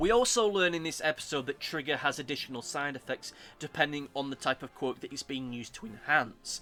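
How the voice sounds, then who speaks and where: A man with a British accent talks fast, with hardly any pauses, at a fairly high pitch. His tone is bright and sharp, and his loudness swings widely. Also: ordinary pitch variation. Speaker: manga reviewer. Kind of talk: casual review talk to camera.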